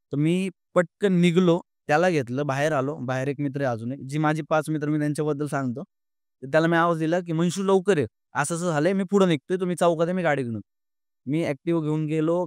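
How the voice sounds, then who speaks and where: A man's voice: on the high side, clean tone, no room sound, studio quality. Earnest young man. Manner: earnest, halting, many fillers and restarts. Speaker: podcast guest. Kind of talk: emotional storytelling in an interview.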